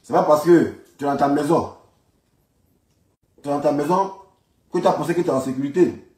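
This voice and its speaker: A high-voiced man with an Ivorian accent rants informally, repeating his points with indignant emphasis. He is recorded away from the microphone in an echoey room. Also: brisk, dark tone. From Ivory Coast. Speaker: online political commentator. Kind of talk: informal spoken political rant. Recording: roomy echo, distant microphone.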